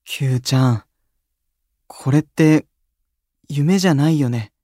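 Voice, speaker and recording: A man's voice: on the high side, a little slow, warm tone, no room sound. Shy cautious young male idol, hesitant n polite, dry close studio sound, audio drama. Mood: anxious. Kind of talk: Japanese audio drama acting.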